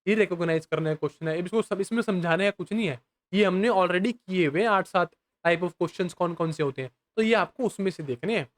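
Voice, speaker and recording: A young man teaching exam questions in a casual, chatty way. He reads each English question slowly, then explains it quickly, calls the viewer "bhai" and keeps asking if they follow. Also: high voice. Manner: addresses viewers as bhai, often asks if they understand.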